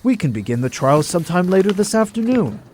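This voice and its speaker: A man's voice: high-pitched, big pitch swings, quick pace, a little mellow, slight background noise. A man playing an earnest, kindly doctor in an amateur audio drama. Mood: upbeat, caring.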